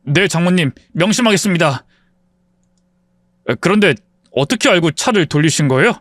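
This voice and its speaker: A man voicing an earnest, soft-hearted husband who swings from anger at a friend to humble apology. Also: fairly high pitch, animated, normal speed, no echo, studio quality. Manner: angry then humbly apologetic.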